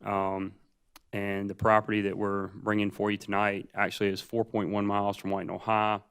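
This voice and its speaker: A man who works as a school district administrator, presenting to the board in a measured way with frequent ums. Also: on the low side, monotone, vocal fry, fairly bright tone, clean tone.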